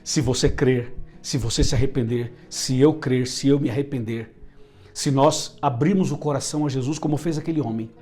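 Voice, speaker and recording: A man's voice: mid-range voice, moderate pace, mellow, faint music behind. A man with a Brazilian Portuguese accent preaching a sermon, emphatic and repeating phrases for effect.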